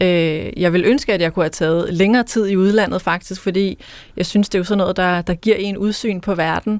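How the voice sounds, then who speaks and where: A woman with a non-native accent, medium-pitched, fairly quick, and fairly even in intonation. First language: not Danish (speaking Danish). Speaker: politician. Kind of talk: interview. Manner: halting, many fillers.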